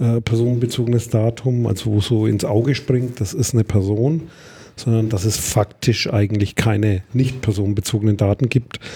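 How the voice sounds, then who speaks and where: A man's dark, mellow, somewhat breathy voice at a moderate pace, with very even loudness. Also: medium pitch for a man. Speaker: podcast co-host on data protection. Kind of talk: casual chat.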